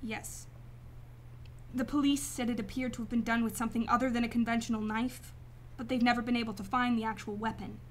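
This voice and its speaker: A woman's voice: on the high side, little pitch movement, a little fast, slight background noise, lightly acted. A woman playing a guarded, determined client in a sci-fi radio drama, speaking earnestly, firmly and formally. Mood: grave. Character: determined, guarded female client seeking her brother's killer. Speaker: actress in a radio play.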